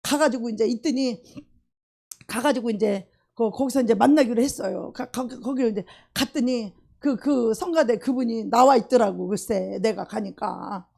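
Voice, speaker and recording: A woman's voice: on the high side, normal speed, vocal fry. A woman pastor giving a testimony sermon, acting out her own past prayers and doubts and breaking into bursts of emphatic praise. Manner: shouts out praise in rising bursts.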